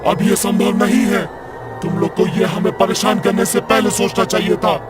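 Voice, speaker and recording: A man's voice: high voice, normal speed, close to an everyday voice. A man voicing a menacing, vengeful pond ghost in a cartoon horror story, with a threatening, commanding manner. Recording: loud music under the voice.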